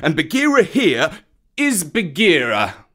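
A man's voice: on the high side, wildly swooping pitch, slow pace, fairly bright tone, voice pushed up, exaggerated voice. A man playing a sly, proud black panther. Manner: sweetly mocking.

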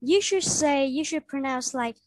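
A woman tutor with a Vietnamese accent works through English pronunciation over a video call. Her voice sits a little high and she talks slowly and patiently, repeating each word. The sound is dry and close. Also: no room sound, rough recording. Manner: patient, models words slowly and repeats them. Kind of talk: online pronunciation lesson.

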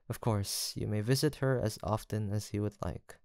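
A man playing a gentle, earnest apothecary in a fantasy audio roleplay, soft-spoken, formal and courteous, with some hesitation. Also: on the low side, fairly even intonation, unhurried, no room sound, clean studio sound. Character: gentle, earnest, guilt-haunted male apothecary in fantasy village. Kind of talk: soft, sweet roleplay acting addressed to the listener.

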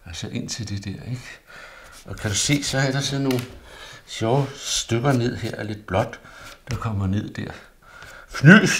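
A man's voice: medium pitch, vocal fry, slight background noise. A man who is an artist, thinking aloud as he demonstrates a pastel drawing, rambling and often murmuring to himself. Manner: rambling, self-murmuring, often drops to a near mutter.

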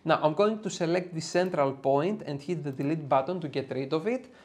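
A Greek-accented man in his thirties with a fairly high voice talks through a software lesson. He explains each step in a lively, chatty way, dropping in the odd filler as he goes. He is recorded on a lapel mic in a dim home studio. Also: brisk. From Greece. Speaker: photo editing tutor. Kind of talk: screen-recorded software tutorial.

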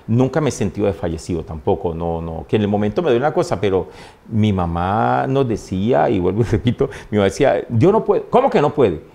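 A man, a priest, telling stories in a warm way and often laughing during an interview. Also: medium pitch. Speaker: priest, guest. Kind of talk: interview anecdotes. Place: TV studio.

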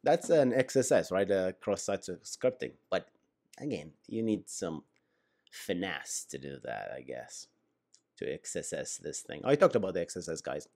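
Tech YouTuber, male, Arabic accent, lively pitch, casual riffing that trails off to mutters. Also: normal speed. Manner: animated, chuckling asides, drops to mumbles.

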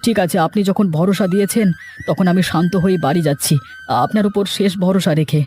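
Man doing a high-pitched, desperate poor villager. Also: a little mellow, soft background music, close to an everyday voice. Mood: grateful. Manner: pleading, halting, servile.

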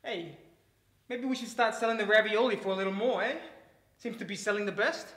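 A man's voice: sits high, fairly quick, fairly bright tone, roomy sound. An actor playing a fussy male chef, proud of his food, indignant and theatrical. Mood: scheming. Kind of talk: comedy scene acting. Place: studio with plain backdrop.

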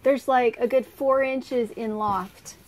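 A woman's voice: fairly high pitch, steady tone, takes it slowly. A young woman co-hosting a homestead video, chatting playfully in a small shed. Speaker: co-host. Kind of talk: casual chat. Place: small metal-walled shed.

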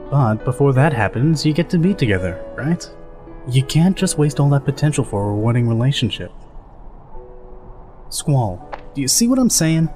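This fan dub of a game scene features a man, fairly high in pitch and lightly acted, playing an easygoing, rambling, goofy older soldier who chats, jokes and laughs easily.

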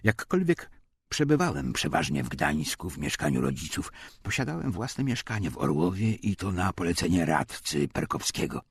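A man reading a scripted documentary memoir as an audiobook narrator, with measured, formal and dramatic delivery. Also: deep voice, very animated, vocal fry, breathy edge, no room sound, clean studio sound.

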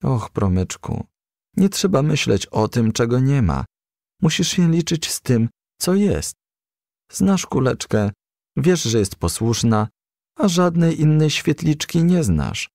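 A man's voice: on the low side, darkish tone, no room sound, clean studio sound. A man voicing a practical female firefly who coaxes and admonishes in a storybook. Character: female firefly confidante, coaxing, practical, firm.

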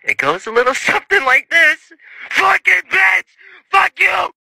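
A man voicing a gleeful, foul-mouthed cartoon puppet neighbor with a sing-song manner that bursts into shrill shouts. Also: expressive, a little slow, gravelly, music in the background, full character voice. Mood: gleeful outburst.

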